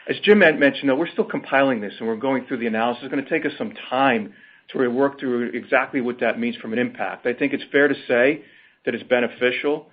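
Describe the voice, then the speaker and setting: A man speaking as a company executive on an earnings call, in a measured, halting way. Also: medium pitch, slightly rough. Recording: thin, band-limited phone line.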